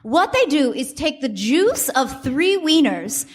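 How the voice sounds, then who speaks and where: A woman playing a gushing product pitchwoman in an overblown parody radio commercial. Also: sing-song, takes it slowly, crowd noise, exaggerated voice.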